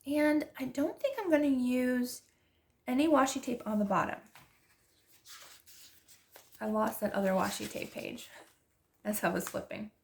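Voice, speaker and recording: A woman's voice: on the high side, a little slow, creaky, pauses often, darkish tone. A young woman with a stuffy nose from allergies, chatting casually and gushing as she decorates her planner. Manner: chatty, gushing, restarts often. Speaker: planner vlogger.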